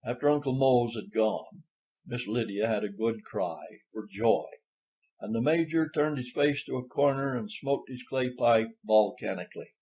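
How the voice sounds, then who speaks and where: A man's voice: medium pitch, moderate pace, dark tone, rough recording. A man reading a literary short story as an audiobook narrator.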